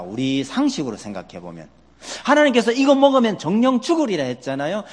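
Lively male pastor in an echoing hall. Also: a little high. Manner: asks the congregation many questions; animated, acts out quoted voices. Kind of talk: sermon. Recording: long hall reverb.

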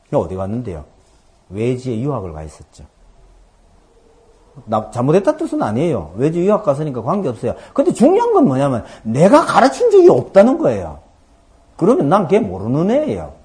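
A middle-aged man preaching a sermon as a pastor, telling stories and acting out dialogue with sudden loud outbursts. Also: mid-range voice.

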